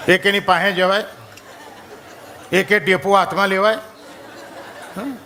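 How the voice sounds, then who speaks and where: A man's voice: sits high, measured pace, some chatter behind, a little hiss or hum. A male stand-up comedian telling stories, acting out characters and singing snatches of songs. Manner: animated, acts out characters and sings snatches of songs.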